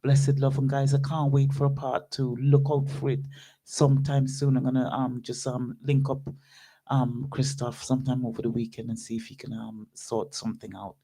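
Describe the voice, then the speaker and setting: Laid-back male radio host, mellow voice. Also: medium pitch, level tone, moderate pace, creaky. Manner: laid-back, warm patter with fillers. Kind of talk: casual radio sign-off.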